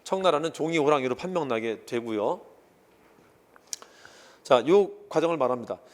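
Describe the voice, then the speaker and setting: A man giving an exam-prep history lecture in a casual, animated way, briefly acting out quoted lines as he goes. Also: a little high, moderate pace.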